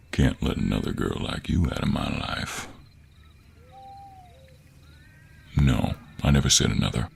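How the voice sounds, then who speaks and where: A man playing a gruff, teasing cowboy monster hunter with a gentlemanly streak in an intimate audio roleplay, drawling in a deep, gravelly, husky American cowboy accent. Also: slight background noise, exaggerated voice. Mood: flirtatious, teasing.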